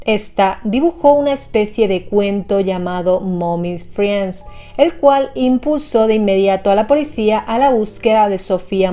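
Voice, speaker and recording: Female narrator, mellow tone, mid pitch, measured scripted horror storytelling over music. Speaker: narrator of a horror explainer channel. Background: background music.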